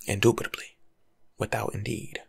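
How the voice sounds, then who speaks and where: A young man doing soft-spoken ASMR as a laid-back, rambling life coach, husky and often slipping into a whisper. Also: fairly low pitch, flat delivery, moderate pace. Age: young adult. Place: small room at home.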